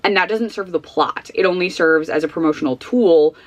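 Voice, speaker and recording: A woman's voice: on the low side, fairly quick. A woman vlogging at home, chatting casually and rambling through frank book opinions, sniffly and losing her voice. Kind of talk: casual book review chat.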